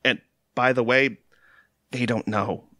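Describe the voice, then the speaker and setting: A man's voice: mid-range voice, fairly even intonation, takes it slowly, pushed and bright, no echo, studio quality. A man playing an exasperated young gay football punter in an audio theater comedy, confessional and self-mocking. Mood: dismayed, confiding.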